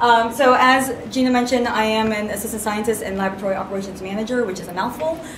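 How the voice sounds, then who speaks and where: A woman's fairly high voice at a very fast pace, with ordinary pitch variation and hardly any pauses, amid noticeable background noise and audible room echo. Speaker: marine scientist. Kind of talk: lecture.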